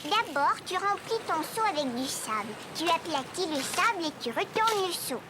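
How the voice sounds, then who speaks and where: A woman's voice: very high voice, sing-song, normal speed, background noise. A woman voicing an eager, persistent little preschool boy in a children's cartoon, with simple childlike phrasing. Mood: earnest.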